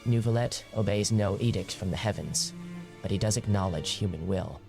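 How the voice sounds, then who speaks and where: Solemn, lower-pitched fantasy narrator. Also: male voice, normal speed, gravelly, music in the background. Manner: solemn, formal. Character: solemn male lore narrator in a fantasy game. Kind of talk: scripted narration.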